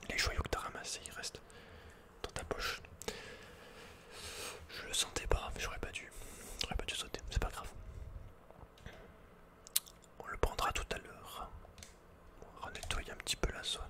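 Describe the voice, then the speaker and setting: A man's voice: moderate pace, pauses often. Whispering Frenchman, casual gaming ASMR. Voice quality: breathy, unvoiced whisper. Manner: casual, slangy, muttering to himself. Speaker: ASMR video game streamer. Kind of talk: whispered ASMR gameplay commentary. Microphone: close microphone.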